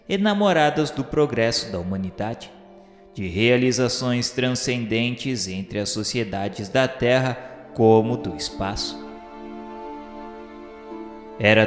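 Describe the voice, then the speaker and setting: Guy playing solemn brazilian male spirit telling his memoirs, radio drama, poetic and formal, mid pitch, very echoey. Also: close to an everyday voice. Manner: formal, measured, poetic delivery. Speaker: narrator of a radio novel. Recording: echoey long reverb, music behind.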